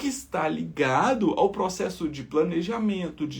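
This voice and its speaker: Amid audible room echo, a man in an animated tone swings his pitch very widely at a moderate pace. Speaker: acupuncture teacher. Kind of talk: online lecture.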